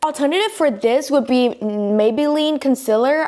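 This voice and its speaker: A woman with a Vietnamese accent at a moderate pace, with ordinary pitch variation. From Vietnam, Hue. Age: 20s. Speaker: beauty and fitness vlogger. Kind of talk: chatty makeup tutorial with Q&A. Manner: casual, chatty.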